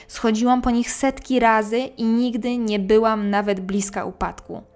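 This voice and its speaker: A woman hosting a podcast, reading listener-sent scary stories in a calm, measured narration. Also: on the high side.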